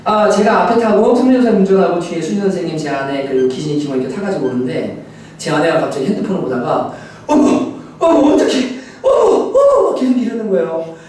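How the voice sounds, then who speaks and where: Animated pastor in an echoey church. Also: male voice, on the high side, very fast, slight background noise. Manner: animated, acting out his wife and son. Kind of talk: sermon with a funny family story. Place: church sanctuary. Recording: echoey church hall, mic at a distance.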